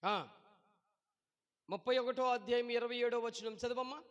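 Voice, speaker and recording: A pastor preaching a sermon, who keeps asking his congregation questions and shouts at times. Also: very high voice, fairly even intonation, normal speed, clear, resonant tone, long reverb tail, muffled recording.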